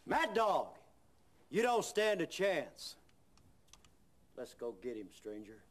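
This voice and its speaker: A man playing an excitable townsman of the Wild West in a live-action video game. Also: a little high, takes it slowly, reverberant. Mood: alarmed, urgent. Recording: noisy old video game audio.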